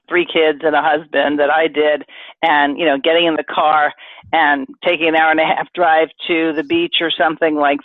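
A woman hosting an interview podcast, asking questions in a measured, conversational way. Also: deep voice, no echo. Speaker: podcast host. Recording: tinny phone-line sound.

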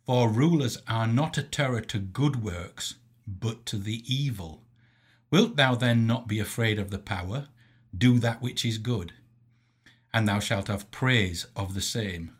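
A man reading a formal, scripted theological lecture in a measured, didactic way, setting off quotations with emphasis. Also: lowish voice, slightly rough. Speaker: Christian lecturer.

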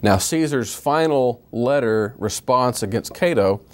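A man giving a history lecture in a measured way, reading out period quotations with rhetorical emphasis and a few restarts. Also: medium pitch, lively intonation.

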